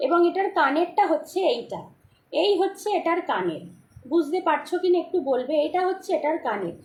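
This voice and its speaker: A hoarse woman hosting a live-stream jewellery sale, repeating prices and often checking that viewers follow. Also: sits high, big pitch swings, a little fast, darkish tone, roomy sound, slight background noise. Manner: repetitive, keeps asking for confirmation. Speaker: jewellery seller. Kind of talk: live-stream sales pitch.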